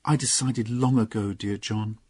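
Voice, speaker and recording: Storybook reading: male narrator doing a pleading young lady, husky and dry-sounding. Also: fairly low pitch, steady tone, normal speed, darkish tone, no echo. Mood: earnest. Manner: pleading, emotional. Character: young noble lady, loving and earnest.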